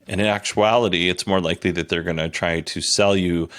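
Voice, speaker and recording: A man's voice: low voice, fairly even intonation, a little fast, fairly bright tone. A man hosting a podcast, giving casual, conversational news commentary in a candid, self-deprecating way. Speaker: podcast host.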